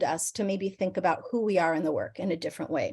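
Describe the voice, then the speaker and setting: A woman's medium-pitched voice with an American accent, ordinary pitch variation and a moderate pace. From US Southwest, Tempe, Arizona. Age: 50s. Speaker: early childhood mental health researcher. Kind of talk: keynote lecture.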